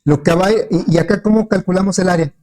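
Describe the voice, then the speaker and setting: High-voiced and darkish in tone, this man teaches at a quick pace. Throughout the classroom lecture he patiently asks students questions to check in, and his delivery is full of fillers and restarts.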